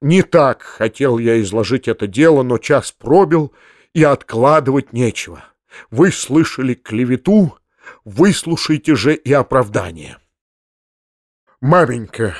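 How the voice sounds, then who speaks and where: A man reading aloud voices an agitated middle-aged gentleman who speaks with solemn, earnest pleading. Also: mid-range voice, animated, measured pace, dry recording, clean studio sound, close to an everyday voice.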